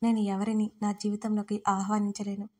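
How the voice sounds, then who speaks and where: A woman voicing an angry, grieving young man in an audio story, harsh and shouting. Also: mid-range voice, monotone, brisk, breathy edge, natural voice.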